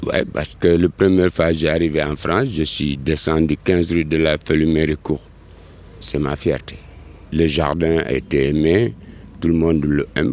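Here a man speaks at a moderate pace. His pitch is very deep and low, with ordinary variation. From Senegal. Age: 50s. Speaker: community garden keeper. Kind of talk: casual interview. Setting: outdoors.

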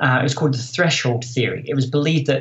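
His intonation is fairly even and his pitch medium. The man's voice has a somewhat breathy quality. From Scotland. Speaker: creativity author and speaker. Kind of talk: interview.

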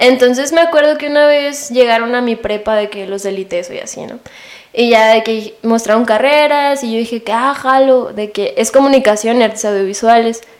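This woman's voice sits fairly high, with ordinary pitch variation. Background noise is noticeable throughout. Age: 20s. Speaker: photographer. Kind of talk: interview.

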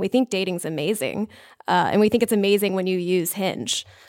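Recorded very cleanly against a silent background, with a dry, close sound and no echo, a woman speaks at a medium pitch in an unremarkable speaking voice. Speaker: ad writer. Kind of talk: casual interview chat.

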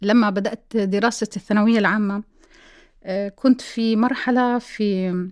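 Very slow pace and fairly even intonation in a dry, close sound with no echo, on a very clean recording with a silent background. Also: woman, fairly high pitch for a woman. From Kuwait, Jordanian family. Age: 40s. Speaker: heart transplant recipient. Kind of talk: personal testimony interview.

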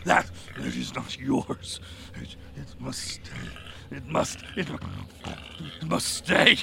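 A man speaks in a put-on character voice, pitched very deep and low, over clear background noise. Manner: menacing, possessive.

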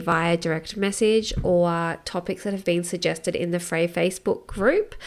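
This woman has an Australian accent and a medium pitch. Her recording is very clean, the background silent. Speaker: podcast host. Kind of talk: solo monologue answering listener questions.

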